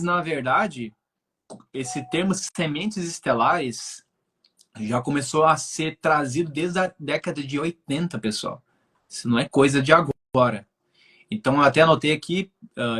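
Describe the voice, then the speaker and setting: A man in his twenties gives an explanatory talk on spirituality as a guest on a video-call live stream, often checking in with his listeners and thinking aloud with many filler tags. His voice sits on the high side and is a bit bright, with a breathy edge.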